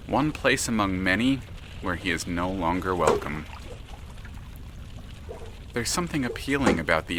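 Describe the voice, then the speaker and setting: A man narrating an audio drama in a measured, dramatic, literary storytelling manner. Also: sits low, background noise.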